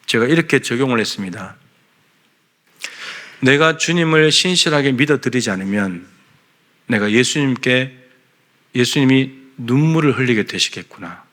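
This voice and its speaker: Male pastor, bright and forceful, earnest sermon delivery in a church. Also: mid-range voice, animated, normal speed, long pauses. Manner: earnest, acts out God's questions to the congregation. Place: church sanctuary.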